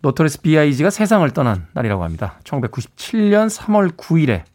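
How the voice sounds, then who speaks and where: Chatty male radio host with a lively voice. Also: on the high side, fast. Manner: friendly, chatty, reads listener messages. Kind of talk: radio DJ talk. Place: radio studio.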